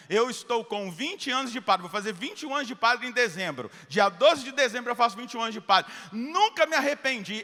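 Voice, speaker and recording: A middle-aged Brazilian man, a Catholic priest, preaching a sermon full of personal stories. He acts out dialogue and swings between loud and hushed speech. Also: very high voice, long reverb tail. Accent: Brazilian Portuguese.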